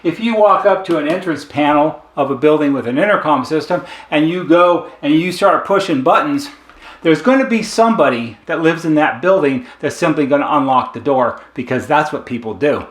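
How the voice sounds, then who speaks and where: A man's voice: a little high, lively intonation, normal speed. A man giving a casual, plain-spoken explainer, taking it step by step in a conversational way. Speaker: intercom service technician and presenter. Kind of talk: casual explainer talk with a diagram. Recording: echoey, roomy sound.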